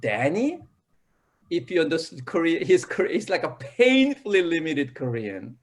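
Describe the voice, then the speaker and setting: A man's voice: a little high, very animated, moderate pace. A man, an actor in a casual interview, who explains things at length in a thoughtful way.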